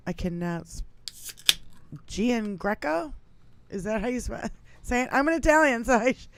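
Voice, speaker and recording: A woman's voice: medium pitch, smooth. A woman in her fifties co-hosting a live show, boisterous, laughing often and swearing freely. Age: 50s. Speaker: co-host. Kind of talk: loose live-stream banter.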